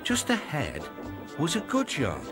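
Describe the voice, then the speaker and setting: A man with a British accent narrating a children's storybook in a gentle, measured way. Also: fairly high pitch, wildly swooping pitch. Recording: music playing behind.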